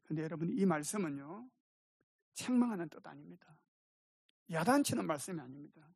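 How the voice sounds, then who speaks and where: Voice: medium pitch, animated, brisk, gravelly, darkish tone, breathy edge, no room sound, studio quality. A pastor preaching a sermon emphatically, calling for amens and speaking directly to the congregation. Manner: emphatic preaching with calls for amen.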